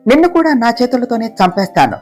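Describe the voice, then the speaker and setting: A woman voicing the vengeful ghost of a murdered young woman, speaking in a lowered, menacing, taunting voice. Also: big pitch swings, fast talker, darkish tone, faint music behind.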